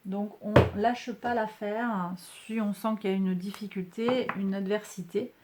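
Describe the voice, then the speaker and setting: Woman doing a casual tarot forecast, keeps checking in with her viewers, mid pitch, a bit of hiss in the background. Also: steady tone, unhurried. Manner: chatty, reassuring, peppered with "hein" and "d'accord"; addresses viewers directly as a group. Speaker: tarot and astrology reader. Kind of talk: casual card-reading monthly forecast.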